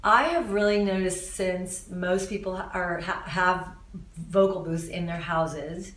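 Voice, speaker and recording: A woman in her forties from Los Angeles, a voice actor answering interview questions in a casual, animated way with frequent restarts, filmed in a living room. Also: on the low side, a little slow. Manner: animated, talks with her hands, many restarts. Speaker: voice actor guest. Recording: roomy, slightly distant sound.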